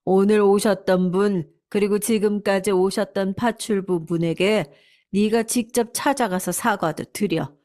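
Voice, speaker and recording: A woman's voice: mid-range voice, steady tone, a little slow, a little mellow, natural voice. A stern older mother-in-law lays down the law in a firm, scolding voice, read by a woman. She is strict and unyielding throughout, in a storybook telling.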